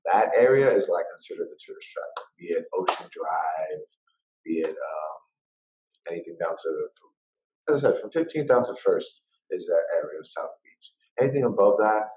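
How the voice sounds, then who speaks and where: A man with a very low voice talks casually as a podcast guest. He hammers his points home by repeating them. The sound is muffled and lo-fi. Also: a little mellow. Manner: emphatic, repeats points for stress. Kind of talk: casual conversation.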